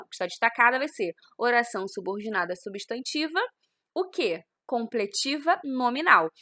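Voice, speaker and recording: Bright-voiced woman teaching grammar. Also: fairly high pitch. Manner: explanatory, asks and answers her own questions, frequent "né?". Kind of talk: online grammar lesson.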